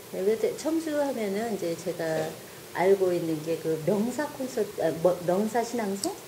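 Over light background noise, a woman talks at a fairly slow pace, her pitch swinging very widely. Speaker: reporter interviewing a guest. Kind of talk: interview. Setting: guest's office. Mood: polite, warm. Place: office.

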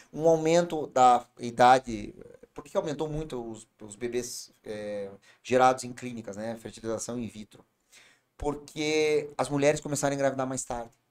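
At a moderate pace, a man speaks at a medium pitch with ordinary pitch variation and big swings in loudness. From Brazil, Curitiba; Brazil. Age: 40s. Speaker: doctor and health company executive; podcast guest. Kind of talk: casual interview. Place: studio. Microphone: studio mic.

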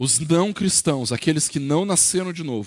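A warm tone at a fairly slow pace over a quiet background. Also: man. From Brazil. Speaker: Presbyterian pastor. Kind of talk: sermon, preaching with prayer and scripture reading. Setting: church with congregation. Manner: earnest, warm, exhortative; rhetorical questions to the congregation, addressing them as dear ones. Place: church. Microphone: headset.

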